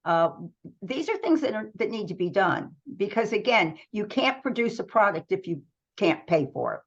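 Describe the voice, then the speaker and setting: A woman's voice: mid-range voice, big pitch swings, normal speed, muffled recording. A middle-aged American woman speaking as a guest in a conversational interview, explaining things earnestly. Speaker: radio trade magazine publisher, interview guest.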